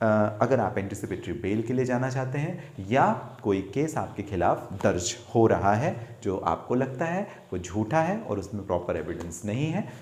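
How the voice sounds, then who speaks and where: A man with a medium-pitched voice talks with lively intonation over noticeable background noise and audible room echo. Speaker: lawyer. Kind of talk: legal explainer. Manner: hesitant fillers.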